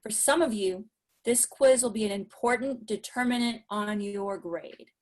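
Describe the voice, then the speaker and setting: A woman's voice: mid-range voice, a little slow, darkish tone, natural voice. A woman playing a stern, officious male math teacher in a virtual table read.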